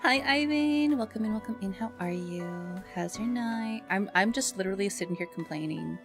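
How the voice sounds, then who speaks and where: Music plays under this livestream host's medium-pitched voice, which has lively intonation and a moderate pace. She talks casually and chattily into her streaming mic, mixing in some self-deprecating grumbling.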